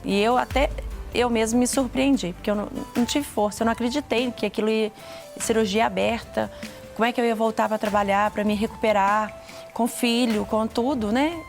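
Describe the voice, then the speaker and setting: Earnest Brazilian woman, slightly gravelly voice. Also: a little high, steady tone, soft background music. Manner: earnest, halting, with many restarts. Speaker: guest giving a testimony. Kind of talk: emotional personal testimony.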